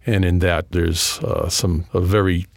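A middle-aged man with a New England accent, a history professor answering interview questions in a thoughtful, measured way with frequent fillers and restarts. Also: low voice, flat delivery, creaky, no echo. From New England, just outside Boston. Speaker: history professor and author, guest.

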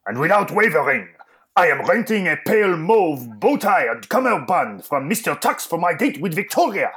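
A pompous, disgruntled radio host. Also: male voice, fairly high pitch, big pitch swings, normal speed, fairly bright tone. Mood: indignant. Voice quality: pompous, indignant. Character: grumpy pompous Belgian talk radio host. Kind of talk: radio comedy sketch.

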